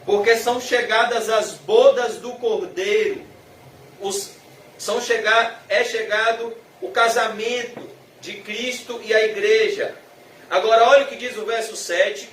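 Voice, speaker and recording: A man with a Brazilian Portuguese accent preaching a sermon, emphatic, stretching his phrases slowly as his passion rises. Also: sits high, fairly bright tone, slight background noise. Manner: emphatic, drawn-out slow phrases rising in passion. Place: church hall. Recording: echoey hall, mic from far off.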